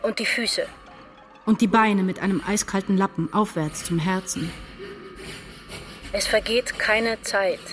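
A woman's voice: mid-range voice, fairly even intonation, measured pace, long pauses, fairly bright tone, faint music behind, close to an everyday voice. Brooding, anxious woman writer played by an actress. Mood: anxious, desperate. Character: anxious, brooding woman writer in love, confessing inner thoughts. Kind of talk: literary radio drama, first-person inner monologue and dialogue.

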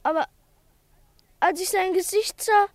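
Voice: very high voice, unhurried, dry recording. A performer playing a small, timid schoolboy who blames himself, speaking earnestly and confidingly in a children's radio play. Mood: ashamed, earnest.

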